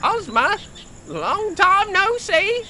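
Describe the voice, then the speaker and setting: A woman's voice: very high-pitched, big pitch swings, slow pace, pushed and bright, slight background noise, exaggerated voice. A woman voicing a blunt, defensive talking hen in an amateur audio drama. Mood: urgent.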